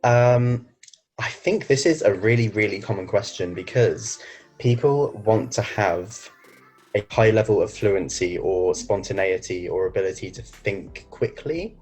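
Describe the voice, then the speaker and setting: A man, a teacher answering interview questions in a soft, thoughtful way. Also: fairly low pitch, expressive, unhurried, breathy edge, faint music behind, low-quality recording. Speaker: English teacher.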